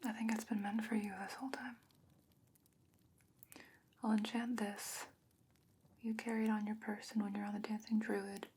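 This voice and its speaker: A woman playing a gentle, solemn sorceress in a whispered fantasy ASMR roleplay, breathy, hushed and measured. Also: mid-range voice, little pitch movement, a little hiss or hum, natural voice. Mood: quietly caring. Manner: slow, measured, hushed delivery. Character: gentle, solemn sorceress sending a pirate friend off.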